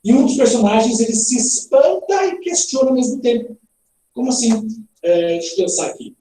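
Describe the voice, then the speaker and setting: A man teaches grammar in a lively, playful manner and keeps tossing questions to his students. His voice swings widely in pitch and has a soft, mellow tone. He is heard from a distance in a very echoey room, with faint background noise. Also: fairly quick. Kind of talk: recorded online grammar lesson. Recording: roomy echo, heard from a distance.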